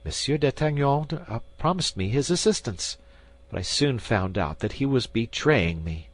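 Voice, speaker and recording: A man's voice: expressive, moderate pace, natural voice. A man voicing a frantic, fawning middle-aged landlord in an audiobook, pleading and whining. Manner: pleading, panicky, high and whining. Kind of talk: audiobook character voice.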